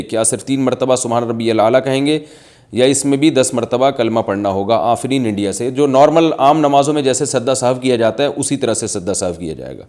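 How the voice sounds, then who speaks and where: A man's voice: mid-range voice, a little mellow. Male scholar answering viewer questions; patient, explains step by step with plain examples. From Pakistan.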